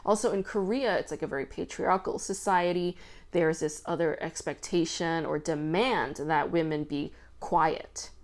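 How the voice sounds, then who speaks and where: A woman hosting a podcast, talking loudly and casually with lots of fillers. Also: low-pitched, normal speed. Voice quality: loud voice. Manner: chatty, filler-heavy with frequent "like" and swearing. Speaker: podcast host. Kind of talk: casual commentary monologue.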